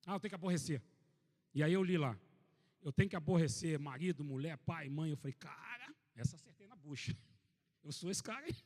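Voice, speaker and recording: A man from Brazil preaching a sermon to a church gathering, reading scripture aloud and telling a funny personal story in an animated, joking way. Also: a little high, brisk, big-room sound. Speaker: pastor. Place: church meeting hall.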